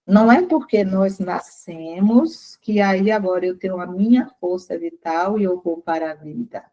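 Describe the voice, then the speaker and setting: An older Brazilian woman leading a study group, reading aloud and talking slowly and carefully to save her strained throat, often asking the group questions. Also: mid-range voice, darkish tone, low-quality recording. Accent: Brazilian Portuguese.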